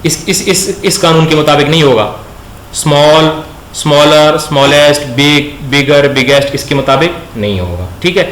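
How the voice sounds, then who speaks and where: A man teaching a grammar lesson, asking questions and slowly repeating words for his students. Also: fairly high pitch, fairly bright tone. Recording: echoey room with faint background noise.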